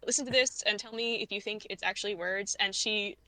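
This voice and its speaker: A woman talks as a podcast guest in easy, casual conversation, often slipping into quoted asides. Her voice is bright and sits at a middling pitch. The close mic gives a dry sound with little room in it. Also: brisk, dry recording, poor audio. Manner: chatty, animated retelling with frequent quoted asides. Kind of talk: casual conversation about films.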